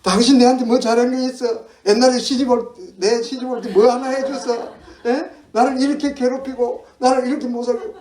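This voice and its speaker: A man voicing a whining, nagging middle-aged woman who sighs and complains loudly. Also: big pitch swings, slow, long pauses, recorded from a distance. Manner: shrill, exasperated sighing complaints. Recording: echoey hall with faint noise.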